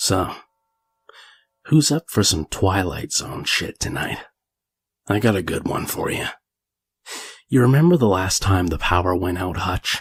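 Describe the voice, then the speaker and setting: A man in a put-on character voice growls at a very deep, low pitch with lively intonation. He speaks at a moderate pace, with long, frequent pauses. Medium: read story. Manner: gruff, profane.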